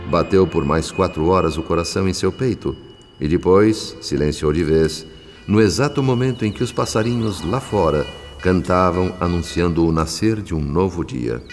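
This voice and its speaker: A humble spirit narrator played by a man tells a radio drama story with solemn, measured delivery. The voice is very low, carried by long reverb over soft music. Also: natural voice. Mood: solemn, compassionate.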